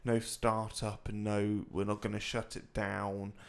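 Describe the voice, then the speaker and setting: A young man with a low-pitched voice hosts a casual flight-simulator tutorial. He rambles, hesitates and leans on fillers as he explains. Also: completely flat delivery, measured pace, creaky. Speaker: co-host of a flight-sim tutorial.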